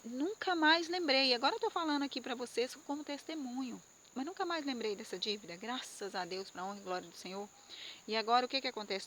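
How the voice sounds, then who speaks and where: A woman's voice: mid-range voice, fairly bright tone, a little hiss or hum. A woman giving an earnest, emotional Christian testimony to viewers, with frequent fillers and repetitions. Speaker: Christian speaker. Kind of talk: personal testimony sermon to viewers.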